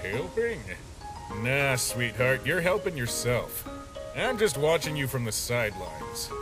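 A man voicing a sly, teasing skeleton sentry monster with a gruff streak and smug pet names, in a comic dub. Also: medium pitch, very animated, unhurried, rough recording. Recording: music playing behind.

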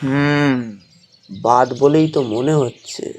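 A man's voice: medium pitch, takes it slowly, darkish tone, slight background noise, lightly acted. An actor playing a brash, boastful young man who plays doctor in a comic audio drama, theatrical and self-important.

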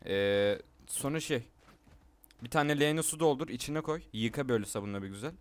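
Fast-ranting frustrated young gamer man. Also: medium pitch. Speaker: gamer streamer. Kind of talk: angry gameplay commentary.

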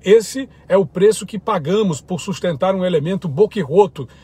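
A man's voice: high voice, normal speed, warm tone, husky. A man from Brazil reading out opinionated news commentary in a firm, critical tone. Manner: reads out items in a firm, critical tone.

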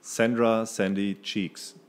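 A man's voice: fairly low pitch, level tone, takes it slowly. A man co-hosting a casual podcast, reading entries aloud and now and then stumbling over the words. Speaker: podcast co-host.

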